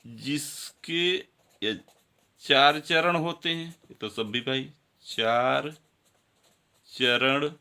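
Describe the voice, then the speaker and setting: A man's voice: medium pitch, drawn-out words, pauses often, pushed and bright, smooth. A male teacher giving a grammar lesson, counting syllables aloud and speaking directly to his students.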